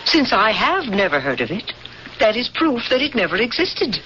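A stern young woman who interrogates for an alien autocracy. Her voice is bright and swings in pitch, yet stays formal and literal-minded. It is a slightly dull, faintly hissy radio drama recording. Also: big pitch swings, moderate pace. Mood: dogmatic. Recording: muffled, faintly noisy old radio broadcast.

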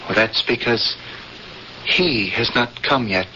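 A fatalistic, earnest prisoner in a 1970s radio drama. His voice is bright and forceful, with solemn, formal phrasing. The vintage broadcast is dull and carries faint noise. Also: medium pitch, slow. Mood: puzzled, reverent. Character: earnest, fatalistic male prisoner and would-be rebel. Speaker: actor playing a cellmate.

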